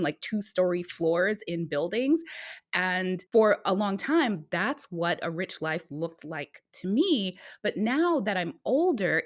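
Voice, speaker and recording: A middle-aged woman, born in Guyana and raised in the US, guesting on a podcast and telling her life story in a casual, animated way. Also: fairly low pitch. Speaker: guest author. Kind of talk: conversational podcast interview.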